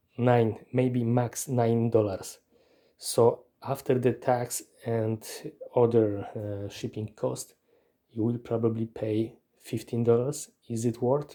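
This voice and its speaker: Speaking with a Polish accent, a man of medium pitch has a dark, mellow tone and a monotone, flat intonation. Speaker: fragrance reviewer. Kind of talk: product review. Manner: unscripted, halting.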